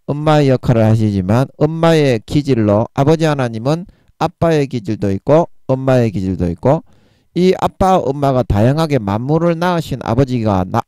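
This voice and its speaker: A man's voice: mid-range voice, mellow, smooth, dry recording. Guy preaching, keeps repeating words, chuckles a lot, dry close sound. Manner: repeats key words for emphasis, chuckles between points. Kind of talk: sermon.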